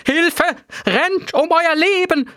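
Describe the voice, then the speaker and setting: A jittery, stammering little museum professor, put on by a man reading a storybook aloud. The voice jumps high in panic and swings through a lively range. The sound is dry and close. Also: takes it slowly, dry recording, full character voice. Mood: panicked. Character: jittery bald little male museum guide.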